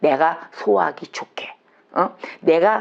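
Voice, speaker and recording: The tone is animated. The pitch swings very widely. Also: woman. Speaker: pastor. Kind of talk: sermon.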